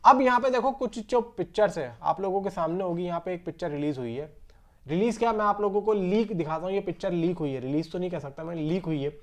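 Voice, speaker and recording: A man's voice: sits high, quick pace. A man giving casual, rambling film news commentary, chatting directly to his viewers like friends. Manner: conversational, rambling, addresses viewers as bro.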